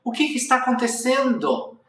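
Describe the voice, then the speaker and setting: A Brazilian Portuguese speaker voicing a kind, wise mage who gives advice in a gently reassuring way. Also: mid-range voice, very animated, normal speed, voice pushed up. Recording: roomy echo, distant mic.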